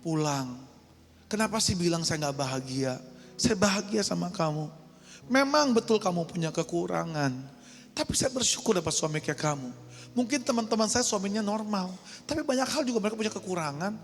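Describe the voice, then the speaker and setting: A man voicing his devoted wife as she gently coaxes him home, in a reverberant hall with music. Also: high voice, lively intonation, brisk, pitched above the performer's own voice. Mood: coaxing.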